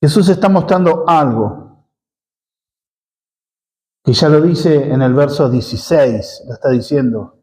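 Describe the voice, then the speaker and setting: Argentine preacher guy teaching scripture, kinda high voice, asks questions and answers them himself. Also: a little slow, pauses often, a little mellow, poor audio. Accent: Rioplatense Spanish. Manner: explanatory teaching, rhetorical questions, voice often rises and falls. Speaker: pastor. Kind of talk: expository sermon. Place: church.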